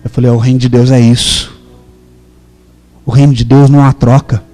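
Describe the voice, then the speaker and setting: A man's voice: mid-range voice, level tone, moderate pace, mellow, in a large hall, faint music behind. A man in his thirties with a Brazilian accent, a pastor preaching a sermon and telling a story with emphatic quoted dialogue. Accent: Brazilian Portuguese.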